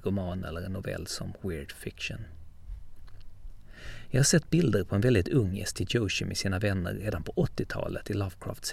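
Low gravelly Swedish man hosting. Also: no echo. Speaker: podcast host. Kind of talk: scripted podcast introduction.

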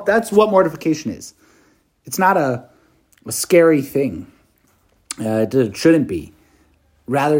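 A man's voice: medium pitch, a little mellow. A man, a Catholic priest, preaching a meditation to students in an easygoing, conversational way, often checking in with "right?" and adding light self-deprecating humor.

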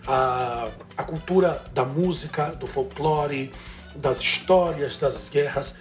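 A man with a Northeastern Brazilian accent talks in a casual chat, his voice pitched somewhat high for a man. He sounds thoughtful and keen, and now and then pauses mid-sentence to find the right word. Soft music plays faintly beneath him. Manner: thoughtful, enthusiastic, trails off searching for words.

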